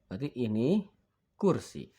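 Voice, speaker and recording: This mid-range male voice is very animated yet a little slow, mellow with a breathy edge. He's teaching beginners Arabic, reading every word twice for repetition and patiently acting out forgetting a word and then finding it.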